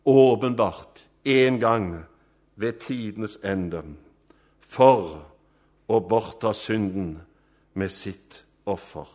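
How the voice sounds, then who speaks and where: Emphatic male preacher in sermon. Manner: emphatic, with swells of loudness and soft low endings.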